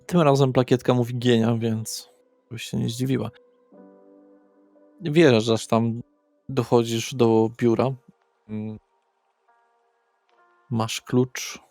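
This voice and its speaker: Male game master for tabletop horror narration: creaky, gravelly delivery, flat intonation, music bed behind. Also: medium pitch, takes it slowly, pauses often, no room sound. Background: background music.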